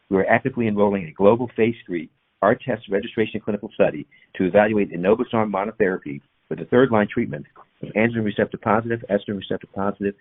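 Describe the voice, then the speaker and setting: A man with a lowish voice reads a prepared corporate update at a brisk clip. His delivery is formal and technical, like an executive addressing investors. The audio is dull and band-limited, as on a conference call. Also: slightly rough. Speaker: company executive presenting on an earnings call. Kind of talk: scripted corporate presentation read aloud.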